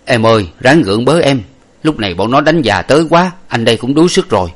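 A man's voice: mid-range voice, fairly quick, close to an everyday voice. A man voicing a devoted young husband who cries and laments over his wounded wife. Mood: tearful. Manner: wailing, lamenting. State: crying. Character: devoted young husband, grief-stricken fighter.

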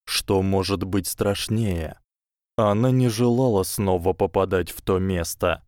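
A man narrating a fantasy novel as an audiobook in slow, measured storytelling. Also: sits low, darkish tone, dry recording, studio quality. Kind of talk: scripted narration.

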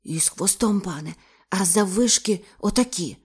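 A woman's voice: medium pitch, moderate pace, husky. A woman voicing a terrified male pearl diver who pleads in breathless, panicked bursts. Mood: frightened.

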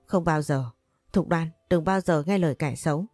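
A woman's voice: low-pitched, normal speed, a little mellow, dry recording, soft background music. A woman voicing a protective elderly mother in a storybook, speaking firmly and reassuringly. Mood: defiant. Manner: firm, reassuring.

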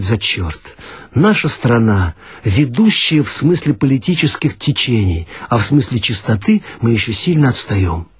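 A man's voice: mid-range voice, husky, no echo. A man reading a comic story aloud with ironic, mock-serious narration. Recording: dry archival radio recording.

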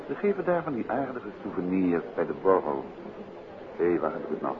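An actor playing an urbane, confident amateur detective in a 1950s Dutch radio play, with a Netherlands accent. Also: male voice, deep voice, big pitch swings, a little fast, a crowd in the background. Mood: genial, brisk. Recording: muffled noisy 1950s radio recording.

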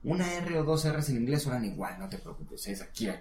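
A man's voice: mid-range voice, sing-song, a little fast, darkish tone, slight background noise. A man with a Mexican Spanish accent teaching English one-on-one, patient and encouraging, often checking in with the learner. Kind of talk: casual one-on-one lesson. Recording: roomy echo.

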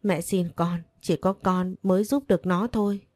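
A woman's voice: fairly low pitch, fairly even intonation, moderate pace, darkish tone, no echo, clean studio sound, natural voice. A woman voicing a desperate older mother who pleads tearfully in a story. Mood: pleading. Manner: begging, sobbing pleas.

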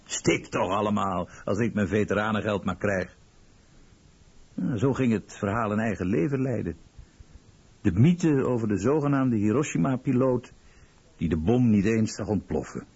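A man with a very rough, gravelly voice giving an expressive voice-over translation. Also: lowish voice, normal speed. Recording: muffled radio recording.

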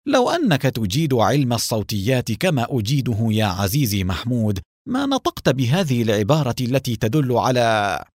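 A man's voice: mid-range voice, sing-song, brisk, no echo, clean studio sound. A man voicing a young woman, a proud sound expert on a team, in a storybook reading. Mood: troubled.

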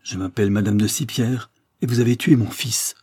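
A cold, commanding mother in mourning black, read by a man. She speaks solemnly, with a low, dark and husky tone, close and dry. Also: steady tone, normal speed, no room sound. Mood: stern grief. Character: grieving stern mother, woman in black.

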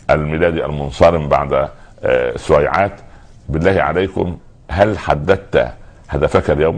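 A man preaching a sermon, pressing listeners with rhetorical questions that build in emphasis. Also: very deep voice. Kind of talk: religious sermon.

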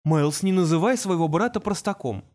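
A man's voice: fairly high pitch, expressive, normal speed, darkish tone, close to an everyday voice. A man voicing a patient teenage boy genius who talks in a precise, lecturing way.

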